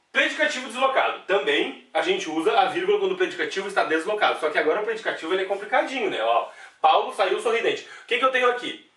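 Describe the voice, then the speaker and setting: A man's voice: high voice, a bit bright, recorded from a distance. A man teaching a grammar lesson, explaining step by step and checking in with his students. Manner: explanatory, asks himself questions, frequent "tá?" checks. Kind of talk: classroom-style video lecture. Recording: echoey room, mic set back.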